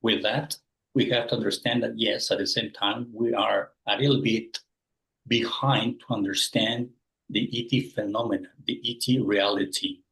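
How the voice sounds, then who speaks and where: Peruvian-born guy in his 60s, lowish voice, interview answers, keeps rephrasing himself. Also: fairly even intonation, normal speed, gravelly, a bit bright, low-quality recording. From Peru. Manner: searching for words, rephrasing as he goes. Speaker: guest.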